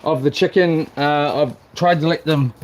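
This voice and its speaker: A vlogger with a broad Kiwi accent talks through chores in a mid-pitched voice. The talk is laid-back and full of slang, on an amateur recording with clear background noise. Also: steady tone, moderate pace. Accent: broad New Zealand. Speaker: home vlogger. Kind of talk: casual chat while doing chores.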